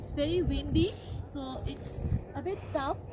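Over noticeable background noise, a woman's voice comes through dry, with no echo. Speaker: vlogger. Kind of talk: casual vlog chat. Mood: cheerful, a bit struggling. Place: waterside.

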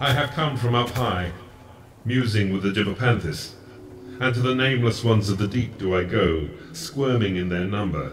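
This man uses a put-on, robotic character voice with a calm tone, medium pitch and ordinary pitch variation. He talks at a moderate pace with long, frequent pauses over clear background noise. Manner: calm, cryptic.

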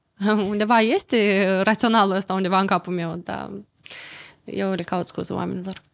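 A woman talks at a moderate pace with medium pitch. Her intonation stays fairly even. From Moldova. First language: bilingual Romanian and Russian (speaking Romanian). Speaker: journalist. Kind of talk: interview. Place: studio. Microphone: studio mic.

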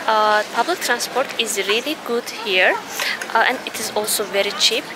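A woman with ordinary pitch variation, dry sound with no echo, and noticeable background noise. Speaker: travel vlogger. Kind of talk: casual vlog chat. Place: cafe. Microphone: phone near.

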